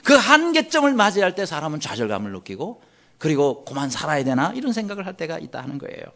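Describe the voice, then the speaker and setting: Male pastor preaching, high lively voice, asks the congregation questions. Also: fast. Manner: acts out anguished quoted pleas in a raised voice. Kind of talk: sermon.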